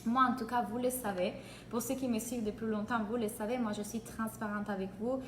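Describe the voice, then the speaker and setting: A woman from Italy with an Italian accent, giving an energetic live-streamed coaching session in French and greeting viewers by name. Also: on the high side, fairly quick, slight background noise. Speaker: business coach. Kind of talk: live-streamed free training. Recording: echoey room, faint ambience.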